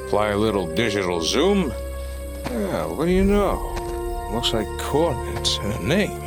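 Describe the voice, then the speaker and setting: An actor plays a wily old-timer pilot in an adventure audio drama, with music behind him. The older man talks in a folksy, world-weary, unhurried way at a middling pitch. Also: sing-song. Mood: fumbling.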